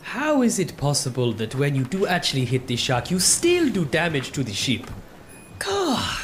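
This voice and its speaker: A man's voice: a little high, wildly swooping pitch, normal speed, a little hiss or hum. A man playing in a fantasy role-playing podcast, casually describing his character's moves.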